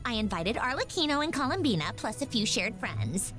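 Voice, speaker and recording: A woman's voice: fairly high pitch, very animated, brisk, over music. An actress playing a proud young woman in a video game, haughty but secretly caring. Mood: haughty, fond. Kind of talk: scripted game character voice lines.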